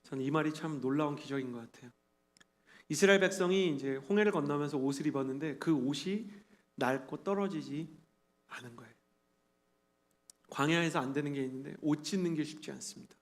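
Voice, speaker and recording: A man in his thirties preaching a sermon to a young adult congregation, earnest and animated, acting out quotes as he tells stories. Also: on the high side, a little fast. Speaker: pastor. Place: church sanctuary.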